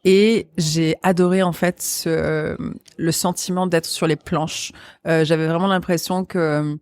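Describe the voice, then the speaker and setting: A woman's voice: lowish voice, fairly even intonation, unhurried, a little mellow, clear, resonant tone, no room sound. A woman with a Québécois accent, a restaurant co-founder, talking casually in an interview with many fillers. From Quebec. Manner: easygoing, frequent fillers, light laughs.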